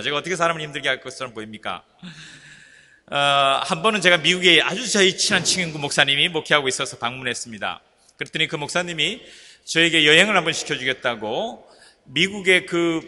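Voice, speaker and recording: A male pastor preaching a sermon and telling stories that he jokes about with the congregation. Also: fairly high pitch. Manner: animated storytelling preacher, joking with the congregation. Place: church sanctuary. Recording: echoey church hall.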